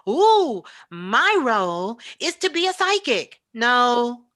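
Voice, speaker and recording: A woman speaks as a spiritual teacher in a bright, forceful voice. The sound is dry, and she drives her points home emphatically, repeating phrases as she motivates the listener. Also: a little high, very animated, slow pace, no echo. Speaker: spiritual teacher and show host, as guest.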